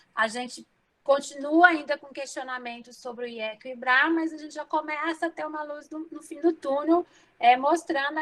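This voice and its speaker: This woman's voice is high in pitch, with ordinary pitch variation, at a moderate pace. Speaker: doctor giving a lecture. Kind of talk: lecture. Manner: halting, many fillers.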